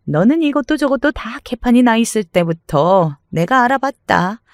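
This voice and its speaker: Man putting on a shrill, scornful older mother-in-law. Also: sing-song, normal speed, dry recording, full character voice. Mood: indignant. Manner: shrill, contemptuous scolding. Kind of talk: dramatized story reading.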